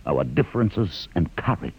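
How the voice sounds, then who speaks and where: Deep, husky, sweeping mutant leader. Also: male voice, very animated, full character voice. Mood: grave, weighing. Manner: theatrical, solemn, measured oratory. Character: grave learned leader of outcast mutants aboard a lost starship. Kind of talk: 1950s radio drama acting. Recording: muffled old 1950s radio recording.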